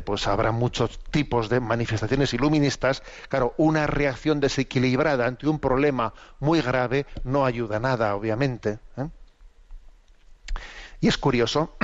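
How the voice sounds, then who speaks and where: A man delivers spoken religious commentary in a measured, teacherly manner, often checking in with short tag questions and asking rhetorical questions. His voice sits at an ordinary middle pitch. The recording is slightly dull and lo-fi, with the sound of radio. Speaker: host of a religious commentary program.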